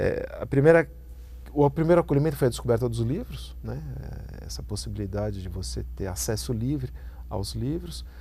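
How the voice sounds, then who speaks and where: Long, frequent pauses and big swings in loudness from a man speaking at a moderate pace. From Brazil, São Paulo and ABC region (São Bernardo do Campo). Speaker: professor. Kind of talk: interview. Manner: hesitant, many fillers.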